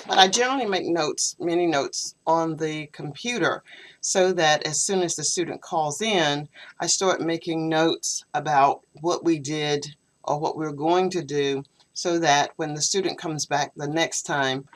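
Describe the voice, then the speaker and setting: A woman English teacher explaining her methods to a student in an online lesson, in a measured, explanatory way. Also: low voice. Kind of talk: online tutoring session. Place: home, video call. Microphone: computer video call microphone.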